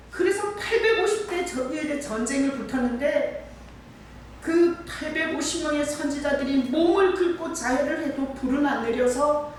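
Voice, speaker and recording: A woman's voice: high voice, a little hiss or hum. A woman pastor giving a conversational sermon, often asking the congregation questions. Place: church sanctuary. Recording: echoey church hall from far off.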